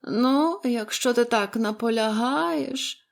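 A sullen, fretful bedridden woman of forty, speaking dryly and dragging her words out slowly, as a woman reads her part. She is from a storybook. Her complaints come out peevish and tired. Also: on the high side, lively intonation, darkish tone, pitched above the performer's own voice. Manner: fretful, sullen, slow and dry.

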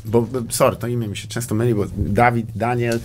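A man's voice: medium pitch, fairly even intonation, fairly quick, a little mellow, a little hiss or hum. Young guy podcast host, rambly crude storytelling, mid voice, tosses in english bits. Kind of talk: casual comedic chat.

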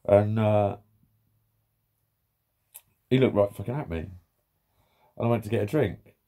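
A man's voice: on the low side, measured pace, warm tone. Sweary man ranting casually. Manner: swears constantly, laughs, acts out quotes. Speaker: vlogger. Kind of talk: casual vlog rant. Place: small room with tapestries, lounging.

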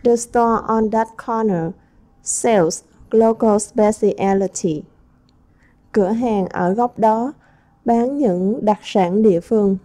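A woman's voice: a little high, slow pace, mellow. A woman English teacher going through a textbook review, reading each word aloud and then translating it. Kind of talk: textbook lesson walkthrough.

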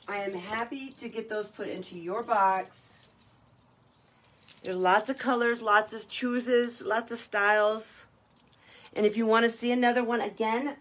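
A woman's voice: on the high side, fairly bright tone. A woman hosting a live online jewelry party, chatting and gushing over each piece as she shows it. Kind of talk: live-stream sales chat.

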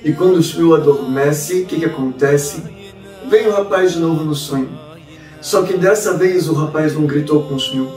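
Brief: animated Brazilian rabbi storyteller, recorded from a distance with faint music. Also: male voice, fairly high pitch, normal speed, roomy sound. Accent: Brazilian Portuguese. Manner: animated, rhetorical questions. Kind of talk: dramatic storytelling. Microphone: distant mic.

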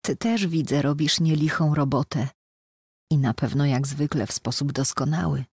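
A woman voicing a cheerful, proud young male soldier who is wounded, reading him in a storybook with a gravelly, husky voice and a joking, insistent manner. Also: low-pitched, normal speed, a little mellow, no room sound, clean studio sound. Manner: joking, then earnest and insistent.

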